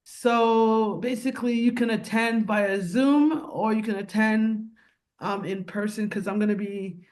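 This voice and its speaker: A podcast host in their forties in casual interview chat, talking in an upbeat, quick way. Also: medium pitch, steady tone, darkish tone. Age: 40s.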